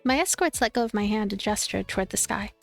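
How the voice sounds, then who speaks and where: A woman's voice: medium pitch, expressive, fast, creaky, soft background music. A woman hosting a let's play, reading and narrating a visual novel.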